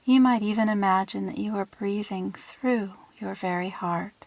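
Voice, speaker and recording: A woman leading a guided visualization in a soothing, hushed manner, with deliberate phrasing and breathy trailing ends. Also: medium pitch, no echo, rough recording. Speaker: guided meditation leader.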